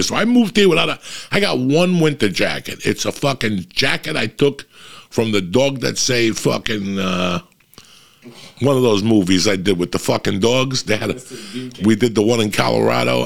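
Gravelly, foul-mouthed comic. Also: male voice, mid-range voice, a bit bright. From New Jersey. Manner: profane, blunt storytelling. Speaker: comedian. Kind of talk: casual rambling monologue.

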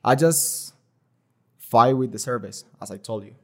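A man's voice: medium pitch, measured pace. Colombian dude in his 20s, spanish native, chill podcast guest, lots of "you know". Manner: relaxed, loose non-native phrasing with many fillers. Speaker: guest, liquor store owner. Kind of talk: casual podcast chat.

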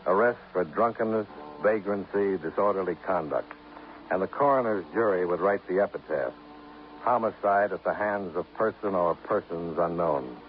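A man's voice: low voice, moderate pace, soft background music, lightly acted. A man playing a terse, dry insurance investigator who narrates and questions in 1950s radio drama style on an old recording. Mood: narrating. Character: hard-boiled male insurance investigator, dry. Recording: tinny old radio transcription, faint hiss.

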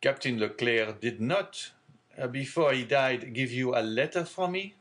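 A man reading aloud and voicing a genial, fatherly older shipowner in a hearty, booming manner. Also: animated, unhurried, fairly bright tone. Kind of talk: audiobook character reading.

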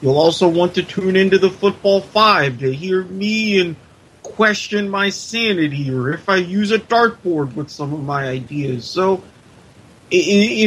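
A man's voice: high voice, fairly bright tone, a little hiss or hum, low-quality recording. A man co-hosting a podcast in casual chat, opinionated and joking. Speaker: podcast co-host.

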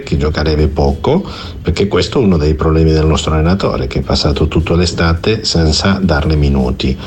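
A man's voice: sits low, darkish tone, slight background noise. A man leaving a casual voice message with his football opinion as a listener.

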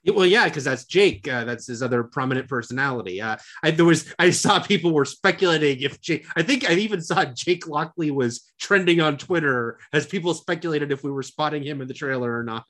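A man's voice: on the high side, animated, a little fast, hardly any pauses, fairly bright tone. A man co-hosting a podcast in casual chat, chatty and full of fillers and restarts. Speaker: podcast co-host.

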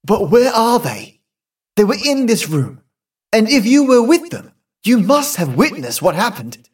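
An agitated young man who has just seen something terrible, as a male reader plays him. He talks urgently and excitedly in a higher voice. The sound sits a bit off the mic. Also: normal speed, far from the mic, lightly acted. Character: agitated young husband, shaken witness.

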